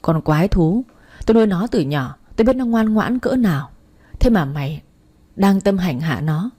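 A woman voicing an enraged female housekeeper who yells curses. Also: lowish voice, expressive, moderate pace, breathy edge. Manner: yelling curses.

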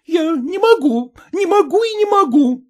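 A man's voice: extremely high pitch, very animated, moderate pace, a little mellow, pitched above the performer's own voice, heavily acted. A man voicing a jealous, hysterical young actress who shrilly accuses her husband. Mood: furious.

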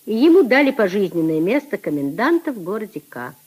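Expressive husky woman narrator. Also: mid-range voice, fairly quick. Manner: expressive, declamatory reading. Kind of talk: scripted literary narration in a 1950s radio play.

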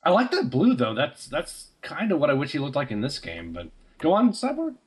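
A man's voice: fairly high pitch, wildly swooping pitch, fairly quick, breathy edge. A young man co-hosting a gaming podcast, chatting in a wry, casual way. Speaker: podcast co-host.

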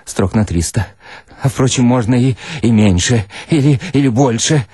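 A man voicing a broke writer, nervous and eager, bluffing haltingly in a dramatic story reading. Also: mid-range voice, dark tone, slightly rough, dry recording, studio quality, natural voice. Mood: flustered, eager. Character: flustered, broke male writer pitching stories, bluffing eagerly.

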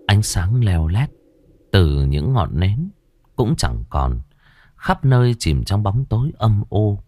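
A man narrating a ghost story in a measured, suspenseful way. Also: on the low side, sing-song, mellow, no echo.

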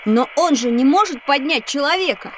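An eager young boy who exclaims at every new discovery. His voice sits high, as a boy's would. He speaks in a scripted children's audio story. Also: slight background noise. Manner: excited, quick to exclaim. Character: eager schoolboy Petya, excitable. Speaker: child character in an audio encyclopedia.

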